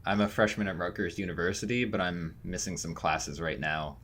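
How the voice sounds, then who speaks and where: A man playing a chatty, slightly unsure college freshman in a fiction podcast, casual and halting. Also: low-pitched, fairly even intonation, a bit bright. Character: nineteen-year-old male college freshman, chatty, excitable, unsure.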